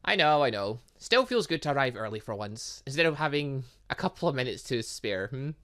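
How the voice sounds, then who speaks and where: Lively, bright-voiced let's play commentator. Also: mid-range voice, a little fast. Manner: chatty, rambling, thinks aloud. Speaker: gaming channel host. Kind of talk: let's play commentary, reading a visual novel aloud and reacting.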